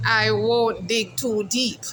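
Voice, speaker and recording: A woman's voice: a little high, steady tone, takes it slowly, a bit bright, a little hiss or hum, poor audio. A woman hosting a casual outdoor interview vlog, chatty and calling her viewers "guys". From Jamaica. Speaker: host. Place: outdoors at a mall food court.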